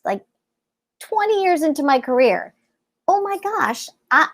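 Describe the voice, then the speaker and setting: A woman with a squeaky voice that sits a little high speaks over a video call. She gives career advice in an encouraging way and laughs easily. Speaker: guest actress.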